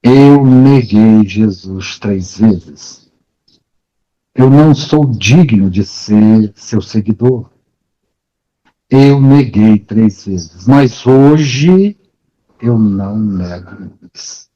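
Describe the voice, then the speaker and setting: A man's voice: on the low side, extremely slow, mellow, muffled recording. A man voicing the apostle Peter, remorseful and devoted, his pleading rising with emotion. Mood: tearful.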